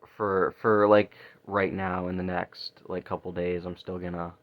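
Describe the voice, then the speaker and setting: A man talking casually in a video diary, halting and rambling, often repeating words and trailing off. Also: low-pitched, flat delivery. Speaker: vocal student keeping a practice diary. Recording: dull lo-fi recording.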